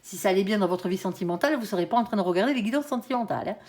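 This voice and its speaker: A woman's voice: medium pitch, expressive, racing, darkish tone. A woman with a Southern French accent giving a casual, chatty tarot reading to her viewers. She fills her talk with little tag words and laughs at her own jokes. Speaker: tarot reader.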